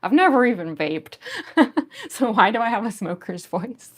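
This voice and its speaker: A young woman with a gruff voice that is going hoarse, chatting casually with viewers on a livestream in a rambling way full of fillers. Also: medium pitch, animated, normal speed. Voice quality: gruff, smoker-like voice. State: losing her voice. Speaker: livestream artist. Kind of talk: casual chat with stream viewers.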